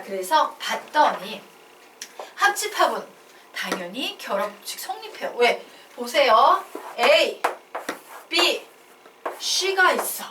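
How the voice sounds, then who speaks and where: 생동감 넘치게 묻고 답하는 여자 수학 강사. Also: female voice, high-pitched. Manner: animated, asks and answers her own questions. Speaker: math teacher. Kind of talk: classroom lecture. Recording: echoey room from far off with noise.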